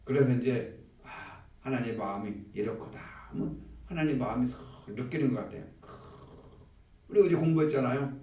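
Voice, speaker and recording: A man preaching a sermon as a pastor, lively, acting out the voices of people in his story. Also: medium pitch, a little fast. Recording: echoey room, mic at a distance.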